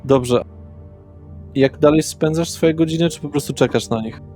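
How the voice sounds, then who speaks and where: A man's voice: on the high side, normal speed, mellow. A man narrating a tabletop role-playing session as the game master. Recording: music playing behind the voice. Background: background music.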